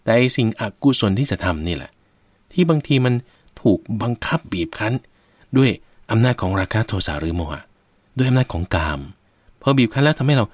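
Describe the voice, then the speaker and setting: A man's voice: mid-range voice, big pitch swings, fairly quick, dry recording. A man giving a Buddhist sermon, addressing his listeners directly and explaining with everyday examples. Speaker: Buddhist preacher.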